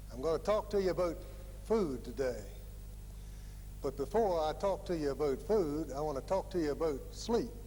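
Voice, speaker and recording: A man talks in a Virginia accent at a moderate pace. He leaves long, frequent pauses. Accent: Virginia Southern. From Virginia (Lynchburg). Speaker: stockbroker and guest speaker. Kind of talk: speech to an audience.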